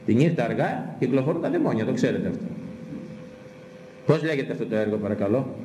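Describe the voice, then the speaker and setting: An older man, a Greek priest, preaching a sermon with impassioned swings of pitch and much repetition. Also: big pitch swings, dark tone, slight background noise. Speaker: Orthodox priest. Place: church hall. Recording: echoey hall, faint ambience.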